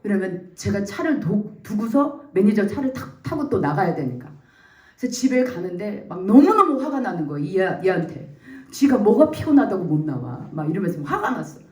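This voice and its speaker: A woman in her forties giving a heartfelt church testimony, telling her story with lively acted-out quotes. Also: mid-range voice, normal speed. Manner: animated storytelling, acts out quotes, laughs and nearly cries. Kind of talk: emotional testimony. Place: church sanctuary. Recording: echoey church room, mic at a distance.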